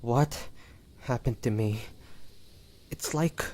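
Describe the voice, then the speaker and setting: A man playing a wounded, devoted young demon hunter in an audio drama, speaking in a halting, breathy, pained way. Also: medium pitch, mellow, natural voice. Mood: confused, agonized. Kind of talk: dramatic audio roleplay acting.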